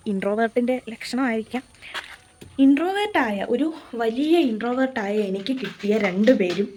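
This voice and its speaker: A woman's voice: fairly high pitch, a little hiss or hum. A young woman from Kerala, talking to camera in a casual vlog, musing and confiding as she walks around her home garden. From Kerala, India. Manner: soft-spoken, musing and confiding. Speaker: vlogger.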